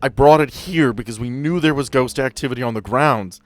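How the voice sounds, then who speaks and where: A man's voice: mid-range voice, fairly quick, no room sound, natural voice. A man voicing a panicked, trapped man who pleads for rescue over a crackling radio. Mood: frantic. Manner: pleading, frantic.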